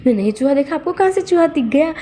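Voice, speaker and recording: A woman's voice: sits high, expressive, fast talker, mellow, slight background noise, pitched above the performer's own voice. A woman voicing a polite, flustered young man who stammers and hesitates.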